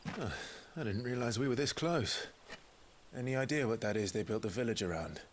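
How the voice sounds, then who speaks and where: An actor playing a serious, wary young warrior in a fantasy game, with an earnest, restrained way of speaking. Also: male voice, medium pitch, lively intonation, fairly quick, slight background noise, natural voice. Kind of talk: fantasy video game voice acting. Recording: faint music behind the voice.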